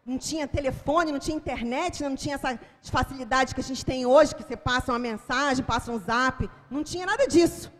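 A woman's voice: high-pitched, quick pace, few pauses. A Brazilian woman giving a sermon testimony in church, telling her story dramatically and rising into fervent proclamation. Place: church hall. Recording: long church hall reverb.

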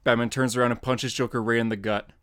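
Man narrating comic panels, mid-pitched. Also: little pitch movement, fast talker, fairly bright tone, smooth. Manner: plain descriptive narration with sound effects. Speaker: podcast co-host.

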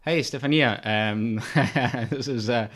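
A man's voice: mid-range voice, slow pace, a bit bright. A young man hosting a podcast, talking casually with a lot of hesitation and filler words. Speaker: podcast host.

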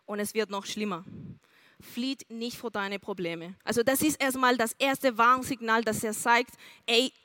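A woman's voice: on the high side, pushed and bright, no echo. Earnest woman preacher, dry sound. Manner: earnest, speaks straight to listeners with questions. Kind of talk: sermon.

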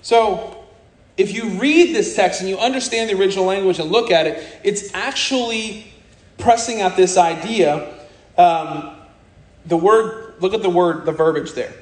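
A man from America preaching with fiery, scornful conviction. His voice sits high, and he drags out his punchlines for weight. The sound rings around an echoey room. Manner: fiery, blunt, scornful preaching with sudden slowdowns for emphasis. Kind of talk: sermon.

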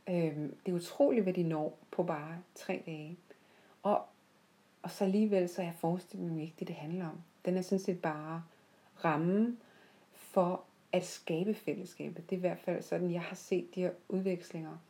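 A woman telling personal stories off the cuff in a heartfelt, reflective way, often pausing mid-sentence. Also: on the low side, steady tone, dark tone. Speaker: podcast host. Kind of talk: unscripted reflective personal storytelling.

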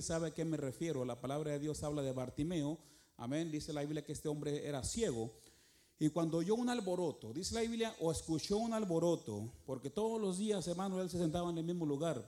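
A middle-aged man preaches in a church with a fairly high but mellow, dark-toned voice. He talks in a folksy, joking way and keeps calling his listeners "brother.". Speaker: traveling worship singer and preacher. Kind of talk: sermon.

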